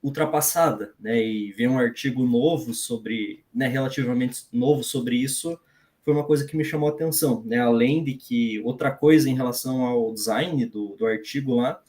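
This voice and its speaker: A man of middle pitch with a Brazilian Portuguese accent gives his view in a study group discussion. He pauses often, fills gaps and leans on tag questions as he thinks aloud. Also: a little mellow. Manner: hesitant, with many fillers and tag questions. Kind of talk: discussion comment.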